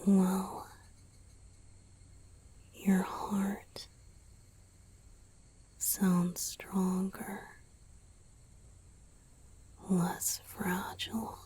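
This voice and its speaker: A woman voicing a gentle, teasing, affectionate young male vampire boyfriend in a breathy, intimate ASMR roleplay. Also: mid-range voice, monotone. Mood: tender whisper. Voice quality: breathy, mostly whispered. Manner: slow, intimate, soothing, softly teasing.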